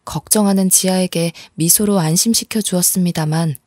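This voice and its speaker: A woman narrating a dramatized true story in the first person, calm and steady. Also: fairly low pitch, normal speed, no room sound, studio quality.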